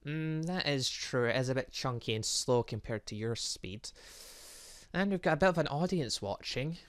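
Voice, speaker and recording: A man's voice: medium pitch, animated, moderate pace, a bit bright, no echo, clean studio sound, close to an everyday voice. A man playing a cocky, teasing, brash young male anime fighter in a theatrical fan roleplay.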